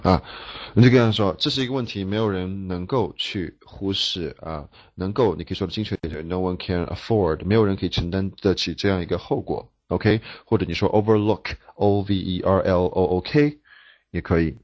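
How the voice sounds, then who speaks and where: A man's voice: sits low, fairly quick, darkish tone, lo-fi sound. A man teaching interpreting, explaining step by step, asking rhetorical questions and stumbling over repeated words. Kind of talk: classroom lecture.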